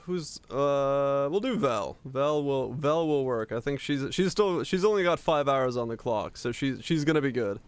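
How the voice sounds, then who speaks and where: A man's voice: mid-range voice, animated, moderate pace, hardly any pauses, clean tone, no room sound. A man livestreaming over a headset mic, chatting in a laid-back way with frequent laughs and trailing fillers. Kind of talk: casual gameplay chat.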